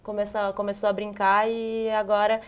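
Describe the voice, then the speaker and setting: A young woman from northern Paraná speaks with that region's accent as a guest in a TV studio. She answers the host's questions in a soft, chatty way and laughs easily. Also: mid-range voice, completely flat delivery, normal speed, smooth. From northern Paraná, Brazil. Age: young adult. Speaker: handball player guest. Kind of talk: casual interview answers.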